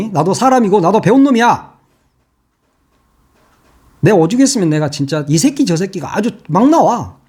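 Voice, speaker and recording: A man's voice: sits high, darkish tone, slightly rough. A man giving heated political commentary, insulting his target and firing off rhetorical questions.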